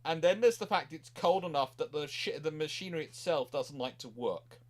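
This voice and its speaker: A man's voice: fairly high pitch, expressive, moderate pace. A man hosting a casual panel chat, explaining things in a rambling, digressive way with repeated words. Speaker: naval history show host.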